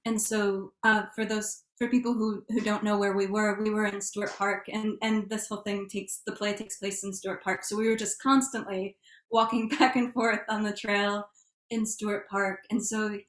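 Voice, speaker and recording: A woman's voice: medium pitch, flat delivery, normal speed, a bit bright. A woman speaking as a writer on a discussion panel, in a reflective, exploratory way. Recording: echoey room sound.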